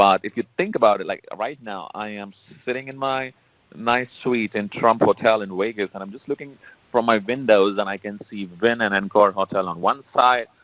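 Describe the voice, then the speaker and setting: A man with an Indian accent speaks at a fairly low pitch and a moderate pace, with ordinary pitch variation. His loudness swings widely, and the sound is dry and close with no echo. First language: Hindi. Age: 30s. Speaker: entrepreneur guest speaker. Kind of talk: casual interview chat.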